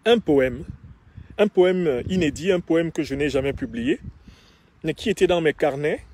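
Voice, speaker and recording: A man from Cameroon, a philosopher addressing his audience in a measured, deliberate way, and later reciting a poem with a chanted refrain. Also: a little high, a little mellow, no echo. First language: Bassa. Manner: measured and deliberate, with repeated phrases.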